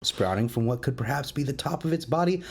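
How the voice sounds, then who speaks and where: A man's voice: mid-range voice, animated, creaky, a little mellow, husky. Male interviewer, mid-range voice, effusive fan-like host who circles and repeats while forming questions. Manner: halting, effusive, repeats words as he searches. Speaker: podcast host interviewing creators. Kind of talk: enthusiastic roundtable interview.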